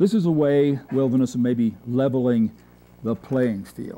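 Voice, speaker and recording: With an American accent, a man speaks at medium pitch in a dark, mellow tone. His intonation is lively and his pace fairly slow. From New York City (Manhattan); New York City. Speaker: professor. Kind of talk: lecture. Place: hall.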